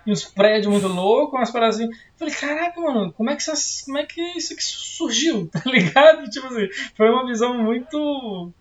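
A man's voice: very high-pitched, animated, quick pace, few pauses, muffled recording. A man co-hosting a podcast, telling a story in a laid-back, slangy way full of fillers. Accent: Brazilian Portuguese. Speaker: podcast co-host. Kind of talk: casual chat over a video call.

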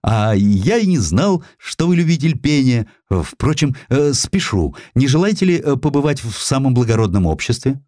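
A man voicing a hurried, courteous literary gentleman in an audiobook, hesitant and politely inviting. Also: medium pitch, very animated, no echo, studio quality, pitched above the performer's own voice, lightly acted. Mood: hurried courtesy.

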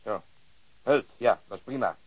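An actor playing a blunt, impatient police officer who takes command, curt and sardonic, in a radio drama. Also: male voice, medium pitch, normal speed, slightly rough, dry recording, lo-fi sound, lightly acted.

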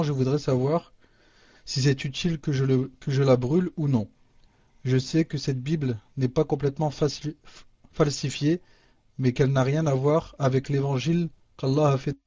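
A man moderates a call, reading listener questions in a halting way with frequent restarts. His voice is dark and mellow, and it sounds dry and muffled, as if over a lo-fi line. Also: mid-range voice, no room sound. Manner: halting reading with restarts, Arabic religious phrases. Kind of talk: reading questions aloud, hesitant. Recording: muffled lo-fi audio.

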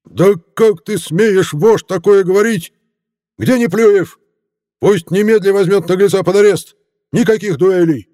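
A man's voice: medium pitch, moderate pace, mellow, smooth, voice pushed up, close to an everyday voice. A man voicing an enraged, commanding town governor who roars orders. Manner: roaring, commanding. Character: furious older male town governor, bellowing.

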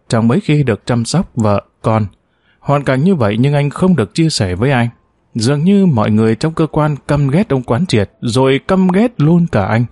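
Male audiobook narrator, steady and measured, dry close recording, mid-range voice. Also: mid-range voice, no room sound.

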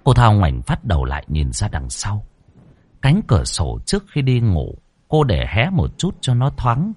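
A man reading a ghost story aloud as a storyteller, with a dramatic, expressive delivery. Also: on the low side, normal speed, breathy edge. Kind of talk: scripted horror narration. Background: faint music.

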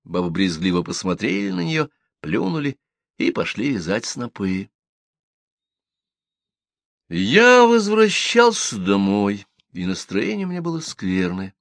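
A man narrating a literary story in the first person, calm and measured. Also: medium pitch, vocal fry, dry recording. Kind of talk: literary audiobook reading.

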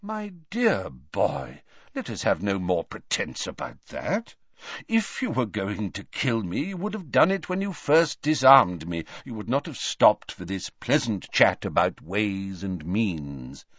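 A man's voice: a little high, sing-song, measured pace, dry recording, highs cut off, voice pushed up. A man voicing a frail old male headmaster wizard who speaks lightly and courteously. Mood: gentle.

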